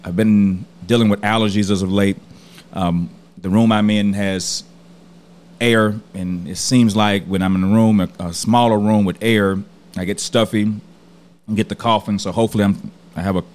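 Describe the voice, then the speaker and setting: A man hosting a podcast and teaching a verse-by-verse Bible study. His voice sounds hoarse and scratchy, and he speaks in an earnest, emphatic way, repeating his key points. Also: on the low side, fairly even intonation, moderate pace, darkish tone.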